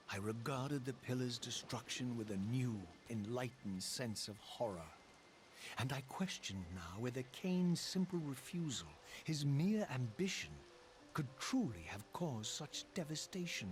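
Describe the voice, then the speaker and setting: A man acts out a brooding undead male wraith from a video game. The diction is formal and deliberate, the tone theatrical and bitterly accusing, at a medium pitch for a man. Music plays clearly behind the voice. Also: animated, close to an everyday voice. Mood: brooding, grave. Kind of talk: dramatic video game narration and dialogue.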